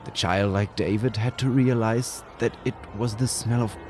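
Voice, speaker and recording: A man whose first language is German, slowly reading a scripted horror story with deliberate, dramatic pauses. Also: lowish voice, fairly even intonation. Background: music.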